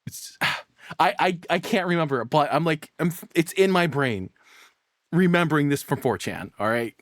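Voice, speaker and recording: A streamer reacts off the cuff in a blunt, rambling, sweary way. The voice sits at a middle pitch with very animated intonation, recorded close and dry. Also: normal speed, dry recording. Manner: blunt, foul-mouthed, rambling. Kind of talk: casual off-the-cuff reaction commentary.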